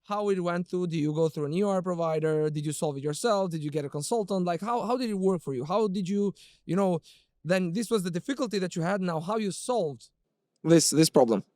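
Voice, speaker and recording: Podcast host guy, kinda high voice, long winding questions, dead dry room. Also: fairly quick, darkish tone, no echo. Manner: long rambling questions, agreeable. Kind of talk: interview questions.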